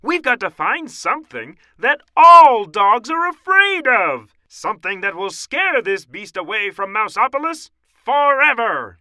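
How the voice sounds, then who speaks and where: A man's voice: very high voice, sing-song, unhurried, few pauses, pushed and bright, no room sound, voice pushed up, full character voice. A man voicing a learned, grave female mouse scientist in an emphatic, lecturing manner for a children's storybook. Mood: grave, urgent.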